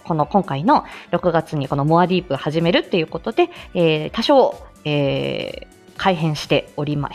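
A woman who works as a speech-language therapist, chatting casually on her own live stream, full of fillers and little laughs. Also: on the low side.

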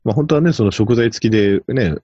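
A man's voice: lowish voice, a little fast, warm tone, husky, dry recording. A man hosting a farming podcast, chatting casually with a guest and rambling with lots of fillers. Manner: rambling, hesitant, many fillers. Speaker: podcast host. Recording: dull lo-fi podcast audio.

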